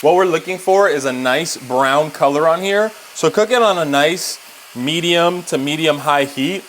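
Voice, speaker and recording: This man's voice sits on the high side and moves a little slowly, with background noise in the recording. As a home cook, he chats with viewers and instructs them step by step through his recipe.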